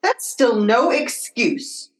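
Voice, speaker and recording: In a very roomy sound, a practical radio-sitcom wife and mother played by an actress speaks in a fairly high, animated voice. She is exasperated, dryly scolding. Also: slow. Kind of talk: old-time radio sitcom acting.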